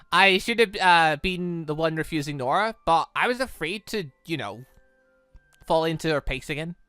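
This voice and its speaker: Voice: mid-range voice, expressive, normal speed, bright, forceful tone, clean tone, no echo, faint music behind. Game host reading apologetic mild young man. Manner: hesitant, conciliatory.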